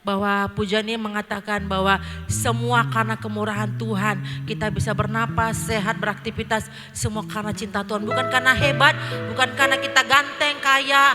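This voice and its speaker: A woman's voice: on the high side, flat delivery, fairly quick. A woman giving an earnest, emotional testimony at a worship service and addressing the congregation. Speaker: church member giving testimony. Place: church hall. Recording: long church-hall reverb with loud music. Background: loud worship music.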